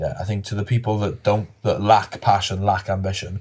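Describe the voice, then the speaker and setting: A man with a Swansea accent speaks at a moderate pace, his voice somewhat breathy and his intonation fairly even. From Wales, Swansea. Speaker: bodybuilder. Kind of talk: podcast interview.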